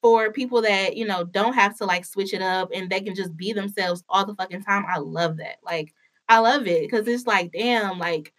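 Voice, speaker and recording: A woman's voice: medium pitch, moderate pace, a bit bright. A woman with an African American accent in a casual, candid chat, speaking informally and swearing freely.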